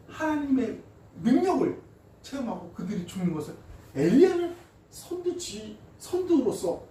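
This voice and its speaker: A man delivers a sermon in a fairly high, mellow voice, pitch leaping and falling as he drives his points home and then softens. He is heard from some distance in a hall with heavy echo. A faint hiss sits underneath. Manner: emphatic, swings between loud stresses and soft drops. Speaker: pastor. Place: church sanctuary. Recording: echoey church hall, voice from a distance, faint noise.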